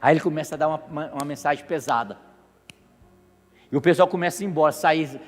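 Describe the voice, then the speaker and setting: A man preaching a sermon as pastor, animated and jokey, asking the congregation questions. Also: a little high, fast. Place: church hall. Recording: echoey church hall with music.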